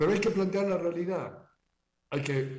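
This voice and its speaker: A man speaks with ordinary pitch variation and a somewhat breathy voice. Audible room echo surrounds him. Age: 70s. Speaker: government official, former university rector. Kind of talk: radio interview. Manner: halting.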